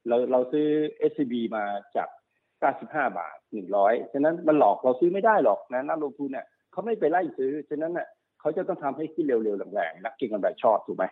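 A man working as a stock market analyst, explaining market cycles quickly and repeating himself, often checking that the listener follows. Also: mid-range voice, big pitch swings. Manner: fast, repetitive explaining, often checks understanding. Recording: narrow phone-like sound.

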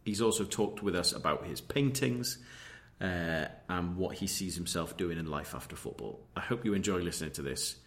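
Low-voiced male podcast host. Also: moderate pace, fairly bright tone. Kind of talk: podcast intro and interview questions.

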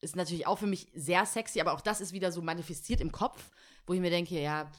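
A woman's voice: fairly low pitch, fast. A woman co-hosting a podcast in casual, slangy chat full of fillers. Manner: chatty, slangy, many fillers. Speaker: podcast co-host.

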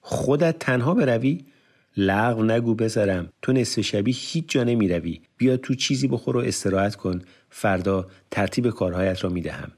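A man's voice: low-pitched, few pauses, a little mellow, slightly rough. A man voicing a hospitable, fatherly old tribal chief in an audiobook, speaking with emphatic, insistent exclamations. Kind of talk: audiobook character voice.

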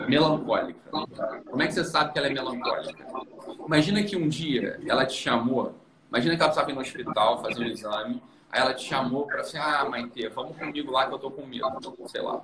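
A man talks in a fairly high voice that jumps around a lot as he explains and teases, checking in with his listener again and again. The room is roomy and echoey, and a steady noise sits behind him. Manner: animated and teasing, often tags "entendeu?". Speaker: host explaining personality temperaments to a young guest. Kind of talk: casual explanatory chat.

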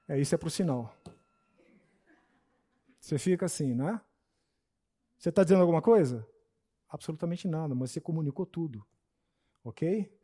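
A high-pitched man gives a classroom Bible lecture. He teaches in a preachy manner, often turning to the class to ask whether they follow and agree. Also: a little mellow. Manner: preachy, addresses class with frequent checks for agreement.

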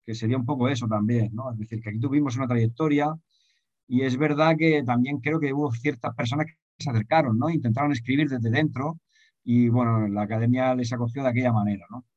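A man's voice: mid-range voice, fairly even intonation, brisk, a little mellow, no room sound. A man with a Spanish accent from Spain asking a rambling, hesitant question in a seminar, often adding tag questions. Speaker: discussion participant. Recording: slightly dull, lo-fi, dry.

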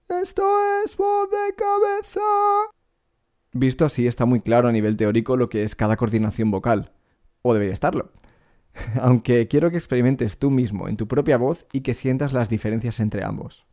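A man teaching a singing lesson, explaining vocal technique clearly and speaking directly to the learner. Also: mid-range voice, dark tone. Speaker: vocal coach.

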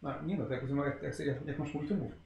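A man's voice: on the high side, fast talker, creaky, darkish tone, reverberant, dull audio, a little hiss or hum. A man as a player in a tabletop game, hesitant and repeating words.

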